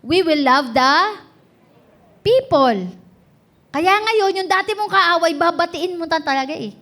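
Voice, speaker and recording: A woman pastor with a Filipino accent preaching a sermon in a church service, asking the congregation frequent rhetorical questions and slowing down to stress key words. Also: very high-pitched, expressive, a bit bright. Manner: preaching with rhetorical questions, switching between Tagalog and English.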